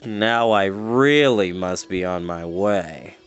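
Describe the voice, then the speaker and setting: A performer voicing a mournful, evasive old man of the Fair Folk in a storybook, mumbling slowly and glumly. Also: low voice, clear, resonant tone, faint music behind, pitched below the performer's own voice. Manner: slow, glum mumbling.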